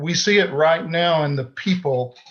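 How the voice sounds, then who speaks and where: Very slow speech comes through in a somewhat breathy voice. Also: man. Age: 70s. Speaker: lay speaker at a church service. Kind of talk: sermon.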